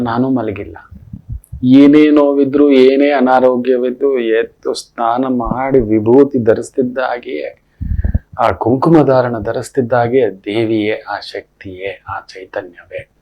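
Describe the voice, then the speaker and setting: A man's voice: medium pitch, a little mellow. A middle-aged man, an astrologer, telling anecdotes in a spoken discourse, emphatic and given to repeating his refrains.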